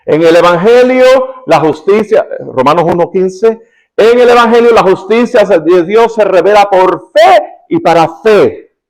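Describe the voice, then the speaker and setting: A man with a Cuban accent preaching a sermon, shifting between soft quoted passages and emphatic rising questions. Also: sits high, animated, unhurried, low-quality recording. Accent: Cuban Spanish. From Cuba. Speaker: pastor.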